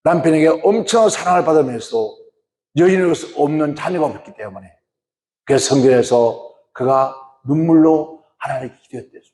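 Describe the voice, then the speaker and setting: A man's voice: a little high, animated, moderate pace, darkish tone. A male pastor preaching a sermon, often questioning the congregation. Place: church. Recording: echoey church hall.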